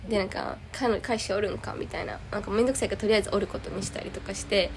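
A podcast co-host with a Kansai accent chats casually at a very fast clip in a medium-pitched voice, telling an energetic story and acting out the lines of the people in it. The remote recording carries a little hiss or hum.

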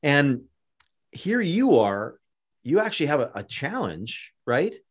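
Hosting a podcast, this Canadian man keeps an easygoing interview chat upbeat and supportive. His fairly high voice moves slowly, and he rambles, loops back on himself, and stumbles through restarts.

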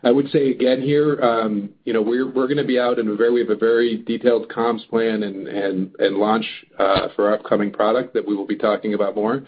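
A man answering as a company executive on an earnings call, halting but upbeat and emphatic. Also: on the low side, fairly even intonation. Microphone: phone or conference call line. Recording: muffled narrow phone line.

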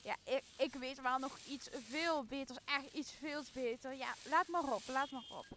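A woman's voice: sits high, normal speed, pushed and bright, a little hiss or hum. A young woman, a student actor in a radio play, playing a mocking, whiny, tipsy jester sidekick. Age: young adult. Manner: scornful, complaining, exclaiming. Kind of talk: amateur radio drama acting.

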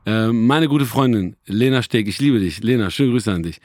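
A man's voice: fairly low pitch, lively intonation, moderate pace, darkish tone, no echo, clean studio sound. A man in his thirties chatting casually, rambling with many fillers, restarts and joking asides. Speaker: hip-hop journalist. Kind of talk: casual chat.

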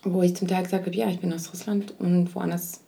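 A woman's voice: lowish voice, level tone, fairly quick, vocal fry, mellow, a little hiss or hum. A young woman from Kazakhstan co-hosting a podcast, chatting casually with many fillers and frequent laughs. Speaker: podcast co-host.

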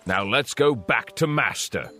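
A man playing a gruff, impatient travelling companion in a children's story, with a forceful, scolding manner. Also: mid-range voice, expressive, measured pace, faint music behind.

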